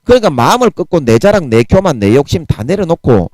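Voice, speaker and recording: A man's voice: a little high, big pitch swings, fairly quick, darkish tone, no room sound. Gyeongsang guy in his 40s preaching hard and blunt, voice jumps all over, dry close sound. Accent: Gyeongsang Korean. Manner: fiery, blunt preaching with harsh curses. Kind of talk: sermon.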